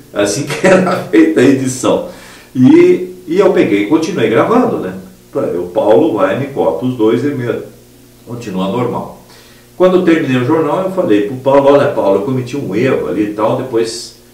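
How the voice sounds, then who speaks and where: Swinging very widely in pitch around a medium level, a man speaks at a moderate pace against noticeable background noise. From Brazil, Santa Catarina born, Paraná broadcaster. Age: 50s. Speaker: radio and TV announcer and newscaster. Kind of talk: interview answer, storytelling anecdote about broadcasting. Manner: casual, conversational, animated.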